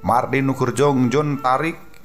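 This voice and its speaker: A man's voice: medium pitch, steady tone, measured pace, over music. A man with a Sundanese accent narrating a scripted story dramatically as a radio storyteller.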